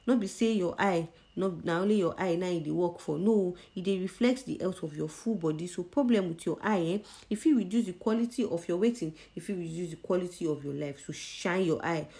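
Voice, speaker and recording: A woman's voice: on the low side, fairly quick, few pauses, mellow. A woman with a Nigerian accent speaking Nigerian Pidgin, presenting a conversational health explainer in an emphatic way, posing questions to the listener and answering them.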